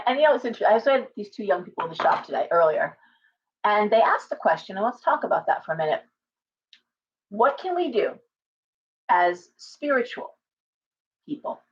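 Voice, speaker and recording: A middle-aged woman, a tarot reader, chatting casually on a livestream from her living room, hoarse from coughing and rambling with many restarts. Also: medium pitch. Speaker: tarot reader and shop owner. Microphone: webcam at desk distance. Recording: slightly dull lo-fi webcam audio.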